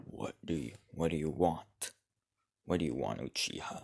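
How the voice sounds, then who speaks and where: A man puts on a gruff character voice, pitched very deep and low. He talks at a moderate pace. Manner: demanding, intimidating.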